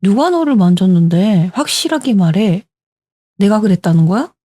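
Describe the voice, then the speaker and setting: A woman voicing an elderly male war veteran who shouts and demands answers in a told story. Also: mid-range voice, very animated, normal speed, dry recording, clean studio sound. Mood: angry.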